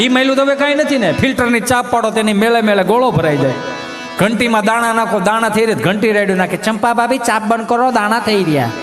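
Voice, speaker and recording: A man's voice: high-pitched, long reverb tail. A middle-aged man with a Kathiyawadi Gujarati accent telling mocking, preachy folk comedy stories on stage. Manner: storytelling, mocking, preachy asides. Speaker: stand-up comedian. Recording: live show with music behind.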